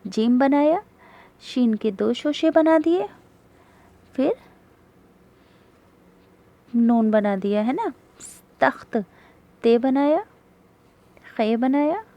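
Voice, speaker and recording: A woman's voice: sits high, animated, very slow, long pauses, highs cut off. A woman teaching a beginner Urdu lesson to schoolchildren, patiently spelling each word letter by letter before reading it whole.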